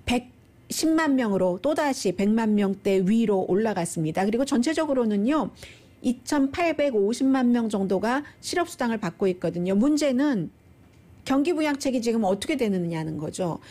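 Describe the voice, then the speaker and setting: A woman's voice: on the high side, lively intonation, normal speed, warm tone. A middle-aged woman presenting the news in a conversational commentary style, explaining at length and talking directly to her listeners.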